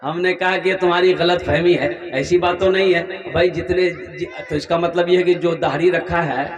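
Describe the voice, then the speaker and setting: A man preaching a storytelling sermon to a gathering, animated and rising to shouts for emphasis. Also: high voice, moderate pace, dull audio. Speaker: Islamic preacher. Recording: echoey hall, mic far off.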